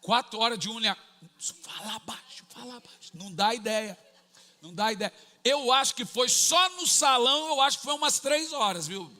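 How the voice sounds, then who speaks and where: A middle-aged man, preaching a sermon full of personal stories, acting out family dialogue and breaking into sudden shouts. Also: very high voice, normal speed, big-room sound. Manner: animated, acts out family dialogue, bursts into shouts. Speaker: pastor.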